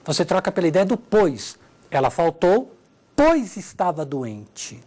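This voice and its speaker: A woman's voice: lowish voice, big pitch swings, measured pace, dark tone. A woman teaching Portuguese grammar in a televised lesson, walking through examples and checking in with her listeners. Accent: Brazilian Portuguese.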